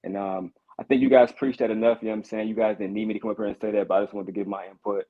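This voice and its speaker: A man from Detroit calls in over a thin, phone-like line. His voice sits low. He talks earnestly, in short halting fragments. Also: steady tone. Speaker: caller. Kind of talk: casual live-audio chat.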